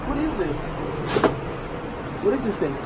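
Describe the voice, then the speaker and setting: Sorting through a storage locker in the open air, a thirties-aged man keeps up a teasing, excitable running commentary full of jokes. He speaks in a high-pitched, unhurried voice, and the camera audio is noisy.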